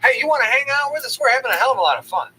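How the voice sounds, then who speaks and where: A man's voice: extremely high pitch, lively intonation, rapid-fire, exaggerated voice, low-quality recording. An actor playing a grumpy middle-aged man stuck babysitting kids, exasperated and blustering, stammering over his words in a sitcom. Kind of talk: sitcom acting. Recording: loud background noise in sitcom audio.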